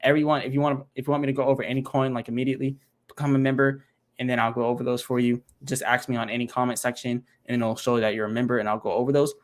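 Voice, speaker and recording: Talking rapid-fire in a mid-range voice that barely moves in pitch, this man hosts a crypto channel's casual livestream Q&A. Working from a home computer with one monitor, he rambles, thinks aloud while crunching numbers and uses many fillers.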